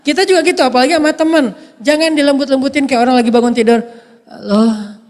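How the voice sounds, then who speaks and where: Man preaching with a soft, high voice. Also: very fast, in a large hall. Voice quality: soft high voice often mistaken for a woman's. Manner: playful, acts out little scenes. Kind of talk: humorous sermon.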